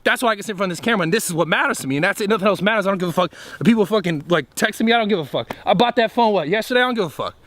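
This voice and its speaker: A man's voice: high voice, expressive, fairly bright tone, no echo. A man vlogging outdoors, giving a rambling, profane motivational talk straight to the camera. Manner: rambling, profane, fast and emphatic. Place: outdoors among trees.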